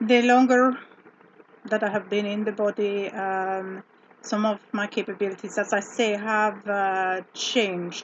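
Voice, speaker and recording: A woman with a non-native accent speaks at a fairly slow pace in a monotone, flat intonation. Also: medium pitch for a woman. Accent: foreign. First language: not English. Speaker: vlogger. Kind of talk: personal vlog. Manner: halting, many fillers.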